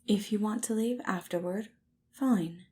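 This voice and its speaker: A woman voicing a calm, cool man who speaks with composed, brusque authority in an audio story. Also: mid-range voice, a little slow, slightly rough, pitched above the performer's own voice. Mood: cool, firm.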